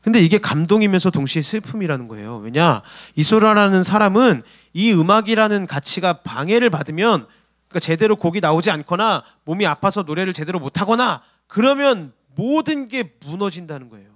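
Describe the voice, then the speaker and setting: A man preaching a sermon as a youth pastor, animated and acting out people's complaints in his own voice. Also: high voice, brisk, dry recording, studio quality. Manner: animated, acts out quoted complaints. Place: church service.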